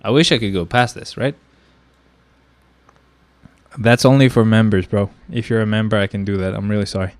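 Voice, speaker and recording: A man's voice: on the low side, fairly even intonation, normal speed, pauses often, dry recording, faint music behind. Stuffy-nosed young man streaming a game. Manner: chatty, easily exasperated, talks to chat. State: stuffy nose from a cold. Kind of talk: casual live-stream chat.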